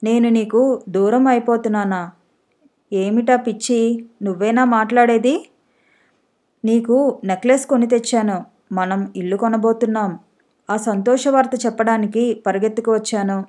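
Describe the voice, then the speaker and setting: A woman reading the part of an exasperated young husband, a busy doctor, in a storybook reading, close to her own voice with a fairly high pitch. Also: fairly even intonation, a little slow, long pauses, darkish tone, lightly acted. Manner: exasperated, pleading.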